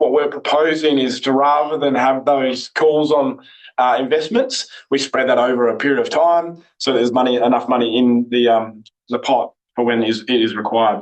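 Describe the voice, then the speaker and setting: Speaking with an Australian accent, this man keeps a moderate pace. His intonation is fairly even. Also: medium pitch for a man. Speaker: local council officer. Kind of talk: public consultation presentation. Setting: community meeting, live streamed. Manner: halting, many fillers.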